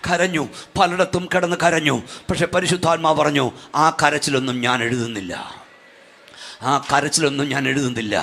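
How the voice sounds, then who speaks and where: A middle-aged man from Kerala preaching a fervent sermon to a night church gathering, at times rising to shouts and urging the crowd to clap and praise. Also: high voice. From Kerala, India. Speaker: pastor. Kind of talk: Malayalam Pentecostal sermon.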